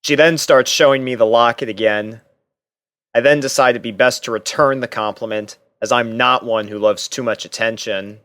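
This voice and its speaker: A man narrating a first-person romantic fan fiction story from a script in a measured, earnest way. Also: mid-range voice, steady tone, fairly bright tone, no room sound, studio quality.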